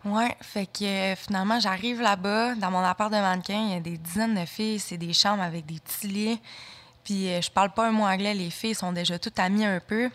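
A woman's voice: medium pitch, fairly even intonation, brisk. A young woman from Saguenay with a Québécois accent, chatting as an interview guest, with many fillers. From Saguenay, Quebec. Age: young adult. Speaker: guest, fashion model. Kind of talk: casual interview chat.

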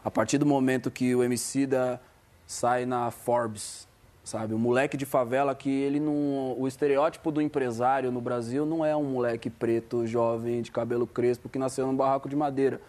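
A Brazilian man chatting casually as a guest, telling stories in relaxed street slang. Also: mid-range voice, moderate pace. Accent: Brazilian Portuguese. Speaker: guest rapper. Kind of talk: casual chat.

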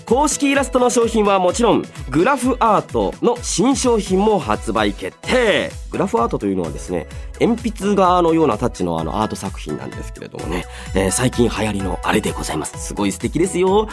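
A man's voice: fairly high pitch, very animated, fairly quick, few pauses, faint music behind. A man hosting a radio show, moving between casual chat and announcements in a polite, chatty way. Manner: polite, chatty, frequent soft "ne" tags. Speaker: radio show host and voice actor.

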